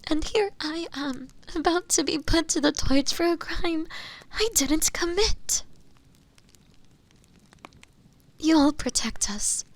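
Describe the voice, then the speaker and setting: A woman voicing an imprisoned witch who plays the frightened innocent in a dramatic roleplay, with a breathy, whispery voice and a deliberate, pleading delivery. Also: mid-range voice, fairly even intonation, fairly bright tone, full character voice. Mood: tearful, desperate pleading. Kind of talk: dramatic roleplay audio acting.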